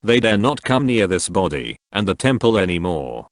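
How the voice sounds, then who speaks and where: A man's voice: deep voice, big pitch swings, normal speed, no room sound, clean studio sound. A man reading social media posts aloud, speaking every handle and symbol out literally.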